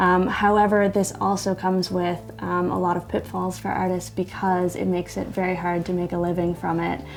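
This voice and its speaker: A woman talks at a fairly quick pace. Behind her, music plays. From Newfoundland, Canada. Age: 20s. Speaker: singer-songwriter. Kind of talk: documentary interview.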